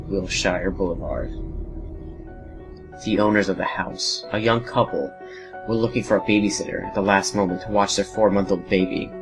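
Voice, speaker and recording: A man's voice: low-pitched, low-quality recording. A man reading scripted horror narration as the storyteller of an audio drama.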